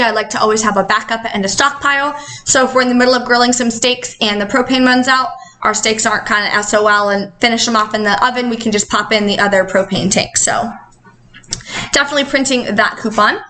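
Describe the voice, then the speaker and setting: High, bright woman talking with retainers in. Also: a little hiss or hum, low-quality recording. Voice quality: talking with dental retainers in, slightly altered articulation. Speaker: couponing vlog host. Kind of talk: casual coupon-deal vlog narration.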